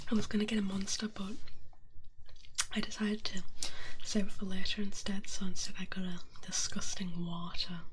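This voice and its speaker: Whispering and soft-spoken, a woman keeps a moderate pace broken by long, frequent pauses. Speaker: vtuber. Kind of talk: ASMR livestream chat. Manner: soft-spoken, whispered.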